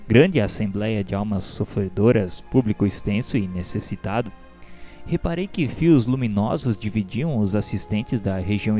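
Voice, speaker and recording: Guy playing a earnest brazilian man telling his story in a radio drama, formal n measured, lowish mellow voice. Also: natural voice. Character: André, earnest, curious male spirit narrator and pupil. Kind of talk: scripted radio drama narration. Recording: music behind the voice.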